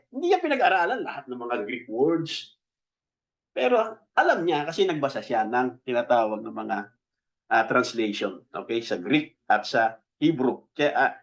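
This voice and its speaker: Filipino-accented male pastor, conversational sermon delivery, voice a bit high, slows on key words. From Philippines. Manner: conversational, checks in with the congregation. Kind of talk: Taglish sermon teaching.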